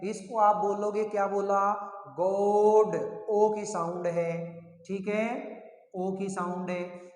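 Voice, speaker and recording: Slow, high-voiced male English teacher. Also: darkish tone. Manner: slow and repetitive, asks the class questions and answers them himself. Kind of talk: classroom lesson on English sounds. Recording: echoey room with long reverb.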